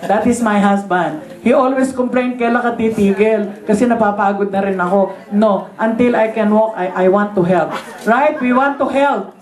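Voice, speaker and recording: A woman's voice: mid-range voice, moderate pace. A woman in her sixties with a Filipino accent, chatting at a party into a handheld microphone and slipping Tagalog fillers into her English. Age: 60s. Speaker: event host. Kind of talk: casual remarks at a party. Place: crowded living room at a party. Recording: roomy room.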